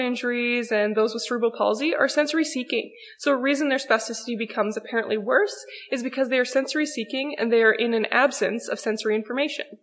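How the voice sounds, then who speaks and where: A woman's high voice at a very fast pace, with ordinary pitch variation and noticeable background noise. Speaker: podcast co-host. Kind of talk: interview.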